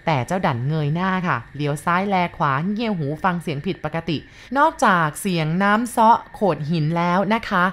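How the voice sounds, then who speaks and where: A woman's voice: fairly low pitch, slight background noise. A woman storyteller narrating a ghost story, polite and addressing her listeners directly.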